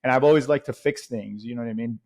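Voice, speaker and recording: A man in his forties from Venezuela, telling stories in a relaxed, casual way with lots of fillers, close on a boom mic in a studio. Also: fast talker. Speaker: podcast host and guest. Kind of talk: casual interview chat. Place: studio with a bright neon sign on a plain wall.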